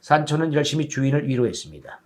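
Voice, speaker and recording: A man telling a children's storybook tale as an animated narrator. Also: a little high, fast.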